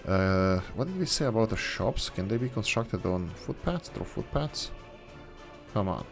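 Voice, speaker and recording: His lowish, creaky voice swings widely in pitch and moves a little slowly over music. English isn't his first language; as a gaming channel host he thinks aloud during a casual let's-play build, rambling off on asides and fixing his words.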